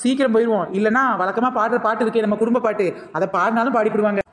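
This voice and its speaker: A woman's voice: a little high, steady tone, rapid-fire, in a large hall. A woman with a Kanyakumari Tamil accent, mocking and sassy in a comic family skit.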